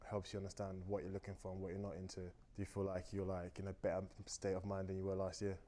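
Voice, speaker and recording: Fast-talking young man, native German speaker. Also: low-pitched, completely flat delivery, warm tone. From Austria. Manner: talkative, reflective, rambling. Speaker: dating show guest. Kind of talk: casual dating conversation.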